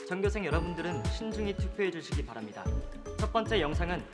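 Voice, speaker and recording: A man's voice: high-pitched, big pitch swings, quick pace, loud music behind the voice. A man voicing a male school announcer, speaking formally over the school intercom.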